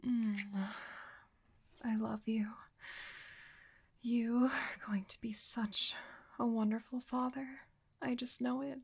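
A young woman speaking in a soft, breathy whisper with a drawn-out, murmuring delivery in an intimate roleplay. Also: on the high side, flat delivery. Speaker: audio roleplay performer.

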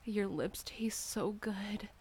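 Slow, breathy whispering young woman. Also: medium pitch, slight background noise.

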